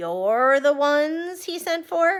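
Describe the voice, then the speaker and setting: A woman's high-pitched put-on character voice with very wide pitch swings. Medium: read story. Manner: blunt, brusque.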